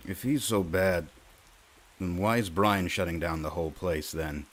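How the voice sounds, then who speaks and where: A man's voice: low-pitched, unhurried. An actor playing a curious, inexperienced male sidekick who keeps asking questions in an audio drama. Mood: puzzled. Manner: questioning, puzzled.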